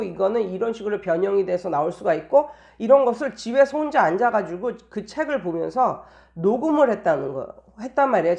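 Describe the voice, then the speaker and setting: A woman's voice: on the high side, gravelly, a little mellow, lo-fi sound. A woman tutor talking casually in an anecdotal monologue, explaining things and repeating phrases for emphasis. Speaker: private English tutor giving teaching tips.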